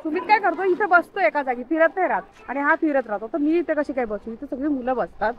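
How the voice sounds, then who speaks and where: Woman, casual vlog chat, chatty with fillers, fairly high voice, outdoors, dull lo-fi sound, faint background noise. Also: animated, fast. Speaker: vlogger walking her dog. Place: outdoors in an open hillside ground.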